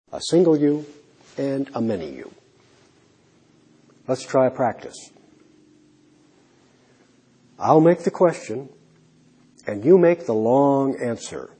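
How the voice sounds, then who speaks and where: A man teaching an English lesson, slowly modelling questions and answers for learners. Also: medium pitch. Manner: modelling example answers clearly, trailing off softly. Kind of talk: slow, deliberate classroom instruction.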